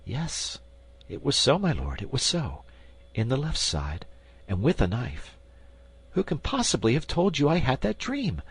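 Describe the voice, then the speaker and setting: A man reading an audiobook, voicing an anguished noble queen in a high, trembling, pleading voice. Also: huge pitch swings, unhurried, husky, exaggerated voice. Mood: fearful.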